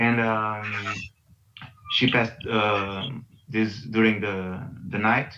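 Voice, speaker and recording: A man with a Portuguese accent speaks very slowly in a fairly low, monotone, flat voice, with long and frequent pauses. Audible room echo is present. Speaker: poet. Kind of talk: panel discussion. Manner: halting.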